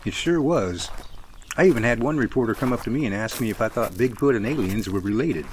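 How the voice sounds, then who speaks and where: A man playing a cautious, thoughtful character in conversational, measured audio drama dialogue. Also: medium pitch, animated, background noise, lightly acted. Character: thoughtful, cautious man chatting with his friend.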